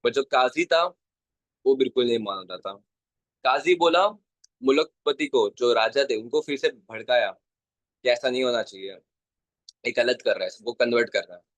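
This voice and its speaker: A young man earnestly tells a devotional story in Hindi, repeating phrases for emphasis and mixing in English words. His voice is mid-range, he speaks at normal speed with frequent pauses, and there's no echo.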